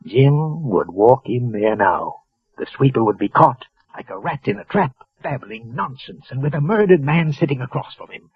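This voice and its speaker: An actor playing a frightened clerk who narrates his own crime in a tense, halting first person. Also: medium pitch, animated, husky. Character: anxious middle-aged male clerk narrating his crime. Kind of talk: 1940s radio acting. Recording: dull old radio broadcast with music.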